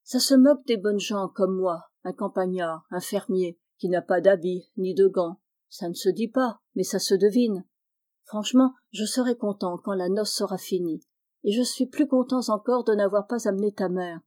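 A woman's voice: mid-range voice, moderate pace, a little mellow, lightly acted. A woman voicing a blunt older male farmer in a storybook reading, speaking frankly and plainly.

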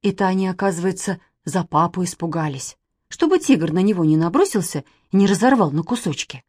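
A woman narrating a children's story in a lively, expressive way. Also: fairly low pitch, a little fast, no room sound. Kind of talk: audiobook reading of a children's story. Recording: dry close recording.

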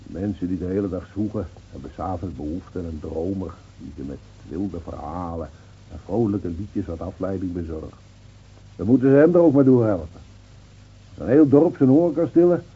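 An actor playing a placid, wry, world-weary village gendarme reasoning soothingly in a radio play. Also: male voice, lowish voice, slightly rough. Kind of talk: Dutch radio play acting. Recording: dull, muffled old radio recording.

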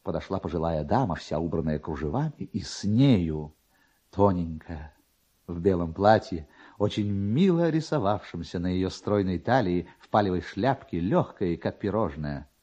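Male narrator for classic prose: low, husky voice, theatrical delivery with sweeping intonation. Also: moderate pace, muffled recording. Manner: theatrical, expressive. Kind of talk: dramatic literary narration.

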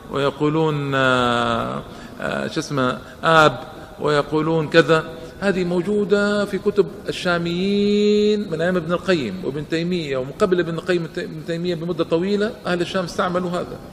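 Quick and fairly bright, this slightly high male voice belongs to a man giving a public lecture and fielding questions. He stresses points emphatically through rhetorical questions and repetition, and the lecture hall adds echo and faint background noise.

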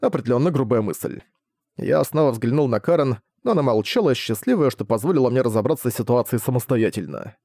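A man reading a novel aloud in a measured, even first-person narration. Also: mid-range voice, creaky, dry recording, studio quality. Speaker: audiobook narrator.

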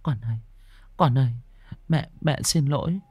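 Storytelling: man playing a grieving mother murmuring a faltering prayer in a raised, quiet voice. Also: medium pitch, moderate pace, husky, no room sound, lo-fi sound, pitched above the performer's own voice, lightly acted. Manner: soft trembling stammering prayer. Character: guilt-stricken young mother praying to her dead child.

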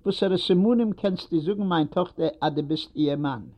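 A man's voice: sits high, moderate pace. A man doing a patient old rabbi. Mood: coaxing. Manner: questioning, gently insistent. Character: elderly rabbi, patient and probing. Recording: dull lo-fi recording.

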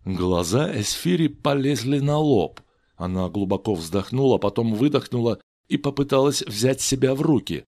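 Expressive male audiobook narrator. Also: medium pitch, normal speed, no echo, clean studio sound. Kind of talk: storybook narration.

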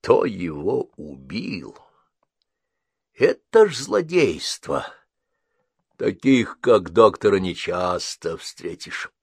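A man voicing a shrewd, bedridden old woman in an audiobook, speaking in a folksy, wry, drawn-out way. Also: fairly low pitch, sing-song, no echo, studio quality, pitched above the performer's own voice, heavily acted. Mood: slow and sly. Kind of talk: audiobook character voice.

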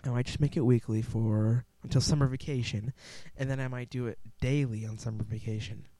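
A man's voice: medium pitch, fairly even intonation, brisk, warm tone, no room sound. A young man with a Midwestern accent hosting a casual solo podcast from home, rambling and self-deprecating with restarts. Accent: Midwestern American. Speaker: podcast host. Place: home room. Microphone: close desk mic.

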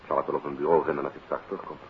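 An actor playing a sober, formal police official in a 1950s radio drama. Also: male voice, a bass voice, little pitch movement, very fast, phone-quality sound. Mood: grave. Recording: band-limited, noisy 1950s radio recording.

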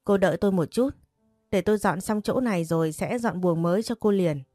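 Lady voicing a humble older maid, soft and polite, mellow tone. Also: lowish voice, a little fast, no echo, soft background music, close to an everyday voice. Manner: deferential.

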